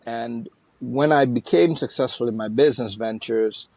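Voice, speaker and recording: A man's voice: medium pitch, moderate pace, darkish tone, no echo. A middle-aged man from Trinidad and Tobago, a nonprofit founder speaking as a guest in a casual interview, with many fillers and restarts.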